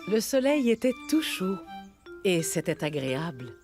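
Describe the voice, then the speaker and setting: Lively, gentle children's cartoon narrator. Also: female voice, fairly low pitch, a little slow, music in the background. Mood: gentle storytelling. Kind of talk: scripted narration for small children.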